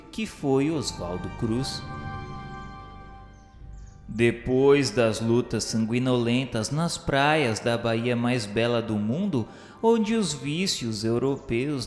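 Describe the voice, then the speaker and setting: A Brazilian man narrating a historical religious radio drama in a formal, declamatory, measured way. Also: medium pitch. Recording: echoey long reverb with background music. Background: instrumental music.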